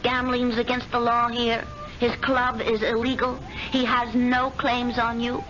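A cool, coaxing lover. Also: female voice, on the high side, a little slow. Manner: calm, coaxing, firm. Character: cool, manipulative woman lover. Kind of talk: 1970s radio drama acting. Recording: lo-fi vintage radio with music.

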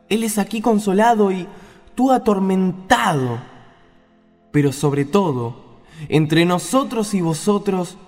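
A man playing a solemn, stern old patriarch with a measured delivery in a biblical radio play. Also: a little high, darkish tone, long reverb tail.

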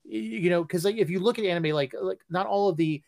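A man co-hosting a podcast in casual chat, speaking haltingly with many restarts and fillers. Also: high voice, darkish tone, no echo. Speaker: podcast co-host.

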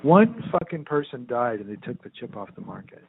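A man's voice: mid-range voice, sing-song, moderate pace, vocal fry, slight background noise. A man in casual chat, telling stories in a sarcastic, profane way full of fillers. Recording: tinny phone-like sound.

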